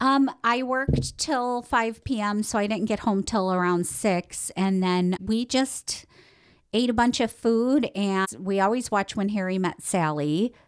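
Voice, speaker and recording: Woman with a Midwestern accent at a fairly slow pace, medium pitch, ordinary pitch variation and very even loudness, in a very clean recording with a silent background. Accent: Midwest. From US Midwest. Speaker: podcast co-host. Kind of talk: casual chat.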